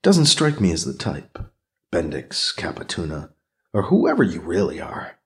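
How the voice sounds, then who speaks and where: A man's voice: low-pitched, huge pitch swings, unhurried, pitched below the performer's own voice, heavily acted. A man voicing a suspicious, sarcastic male Catholic priest with a wary, sardonic, terse way of talking, in a science fiction audiobook. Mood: wary, muttering.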